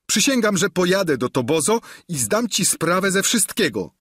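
A beaten knight who begs and submits breathlessly, voiced by a man. His voice rises well above the reader's own and pushes loud. The storybook recording is dry and close. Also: high voice, sing-song, normal speed, husky, no echo, pitched above the performer's own voice, full character voice. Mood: pleading. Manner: begging, submissive. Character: defeated young knight, pleading and submissive.

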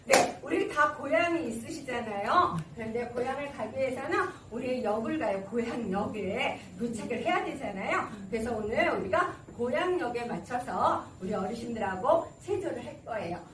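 Lively high-voiced woman leading a class. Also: moderate pace, few pauses, far from the mic. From Seoul, South Korea. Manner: lively, coaxing, counts beats aloud and laughs often. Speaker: senior recreation instructor. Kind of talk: leading a group exercise class. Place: large room with a group of seniors. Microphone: no microphone, recorded from across the room. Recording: echoey room, voice from afar, loud crowd and noise.

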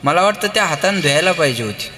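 Bright-voiced kirtan preacher in a hall. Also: male voice, on the high side, quick pace. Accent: Marathi. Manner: lively storytelling, acts out family voices, prompts the crowd. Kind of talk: devotional kirtan sermon with sung verses. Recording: long hall reverb with live music.

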